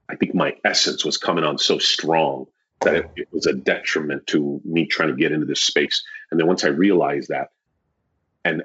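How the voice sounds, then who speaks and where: A man, a real estate agent, talking casually in an interview, acting out clients and his old sales pitch and stumbling over repeated words. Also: slightly rough. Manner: animated storyteller, acts out clients and his old sales pitch, laughs often; repeats words when starting. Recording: dull lo-fi sound.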